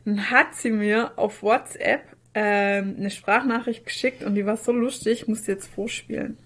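A woman's voice: medium pitch, steady tone, moderate pace, a bit bright. A woman chatting casually as a podcast co-host. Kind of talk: casual chat.

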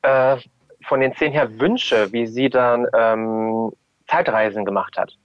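A man talks as a podcast guest in a casual, reminiscing way. He searches for words and restarts often, then lands his points emphatically. His medium-pitched voice comes through close and dry, slightly dulled. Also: fairly even intonation, no echo, highs cut off. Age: adult. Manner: halting, searching for words, emphatic, acts out short quotes. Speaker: podcast guest, drag queen and DJ.

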